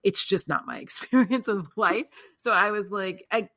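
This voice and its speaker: A woman's voice: mid-range voice, normal speed, a bit bright. A woman hosting a podcast interview, speaking in a hesitant way and correcting herself as she goes. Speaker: podcast host. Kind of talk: casual interview chat.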